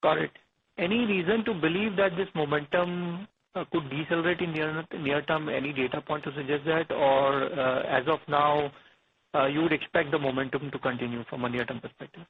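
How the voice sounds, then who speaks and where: A man, a financial analyst, asking polite, measured questions on an earnings call over a phone line, with a husky voice. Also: on the high side, steady tone, a little hiss or hum.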